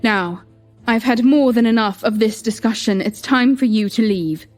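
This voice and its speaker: A woman's voice: on the high side, moderate pace, soft background music, close to an everyday voice. A woman playing a proud young queen who speaks firmly and steadily, holding back her anger. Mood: cold firm. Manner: firm, steady, controlled. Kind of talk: audio drama acting.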